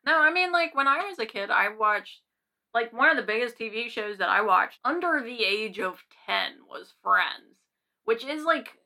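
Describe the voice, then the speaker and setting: A woman's voice: on the high side, expressive, moderate pace, bright, forceful tone. A young American woman co-hosting a podcast in casual conversation, thinking aloud in an informal, hedging way. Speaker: podcast co-host. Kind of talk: casual chat.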